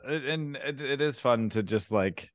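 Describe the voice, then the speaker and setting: A man's voice: mid-range voice, moderate pace, dry recording, clean studio sound. A man hosting a podcast in a casual, laid-back, affirming way. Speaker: podcast host. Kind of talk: casual chat.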